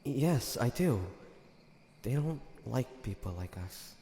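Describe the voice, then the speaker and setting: A man acts out a bewildered, earnest boy in an audio drama. He talks slowly and haltingly with a gravelly creak, questioning everything, over faint cricket-filled background noise. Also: mid-range voice, animated, mellow. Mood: uncertain, worried. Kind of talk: dramatic audio roleplay acting.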